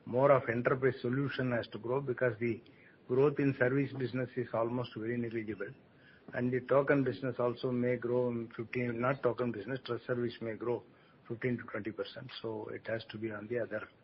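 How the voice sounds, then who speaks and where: A man answering analysts as a company executive on an earnings call, speaking haltingly and often rephrasing. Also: level tone. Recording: muffled conference call line, noisy rumble.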